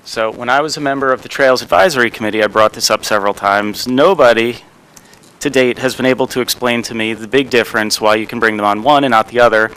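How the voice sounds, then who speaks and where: A man serving as mayor, giving rambling remarks at a township council meeting with many pauses and fillers. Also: mid-range voice, fairly bright tone, clean tone, poor audio. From New Jersey. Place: council chamber.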